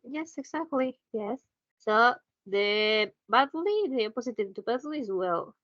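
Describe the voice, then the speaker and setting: A woman's voice: on the high side, lively intonation, unhurried, fairly bright tone, dry recording, lo-fi sound. A woman teaching an English lesson, patiently correcting and repeating her student's words.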